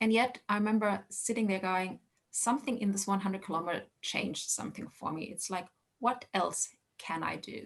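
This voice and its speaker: A woman speaks at a fairly quick pace with a slight German accent. Her medium-pitched voice is somewhat breathy, with ordinary pitch variation. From Germany. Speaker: long distance hiker. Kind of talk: presentation.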